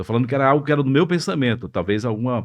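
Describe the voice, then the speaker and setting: Speaking very fast in a northeastern Brazilian accent, a man has a medium pitch with ordinary pitch variation. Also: quiet background. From Northeast Brazil. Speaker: podcast host, radio broadcaster. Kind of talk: casual interview chat.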